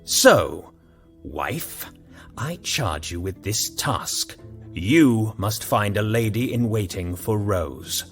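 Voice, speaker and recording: A man's voice: on the low side, expressive, drawn-out words, full character voice. An actor playing a stern, brusque king who issues orders coldly. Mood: forceful. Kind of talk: audio drama acting. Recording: music bed behind.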